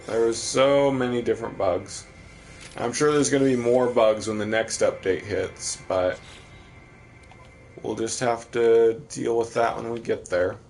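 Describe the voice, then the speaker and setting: Over soft background music, this livestream host from the American Midwest talks casually about the game he's playing and responds to viewers. He speaks unhurriedly in a steady mid-range voice that is creaky and somewhat dark, with a Midwestern accent.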